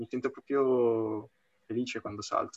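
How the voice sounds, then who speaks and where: Medium pitch and monotone, flat intonation from a man. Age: young. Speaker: parkour athlete. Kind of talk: casual chat.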